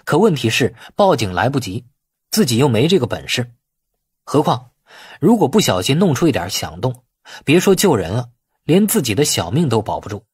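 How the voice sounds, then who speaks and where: Guy narrating a thriller audiobook, dramatic and animated, husky voice, really dry recording. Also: mid-range voice, no room sound. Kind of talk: dramatic scripted narration of a suspense novel.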